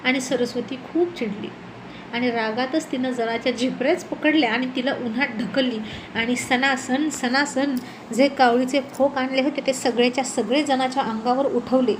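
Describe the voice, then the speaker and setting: Woman, storyteller, scripted story narration, expressive and dramatic, high voice. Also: moderate pace, noisy background.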